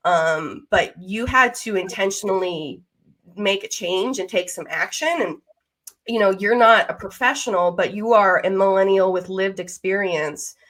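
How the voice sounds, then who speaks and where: A woman's voice: medium pitch, a little slow. A woman, around her thirties, hosting a casual conversational interview in a chatty, informal way. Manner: chatty and informal, with mild swearing. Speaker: podcast host interviewing a guest.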